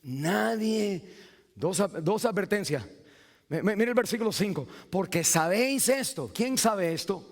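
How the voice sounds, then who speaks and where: A man preaching a sermon, building to shouts when he reads scripture. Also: sits high, lively intonation, measured pace. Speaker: pastor. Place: church sanctuary. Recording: reverberant church hall.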